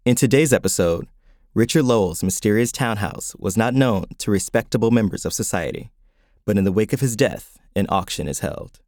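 A man's voice: lowish voice, expressive, moderate pace, darkish tone, no room sound, clean studio sound. A man co-hosting a story podcast with scripted introductory banter. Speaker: podcast co-host. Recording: faint music under the voice. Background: faint music.

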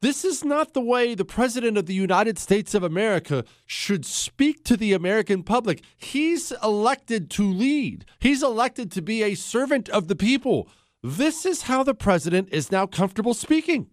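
A man hosting a talk radio show, speaking in an animated, sarcastic monologue with wide swings in pitch and a slightly congested voice. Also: normal speed, no room sound, studio quality. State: congested from allergies.

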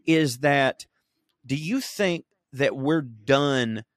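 A man's voice: mid-range voice, very slow, no echo, studio quality. A man co-hosting a podcast, chatting casually in a rambling, profane, joking way. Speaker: podcast co-host. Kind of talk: casual comedic chat. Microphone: remote recording.

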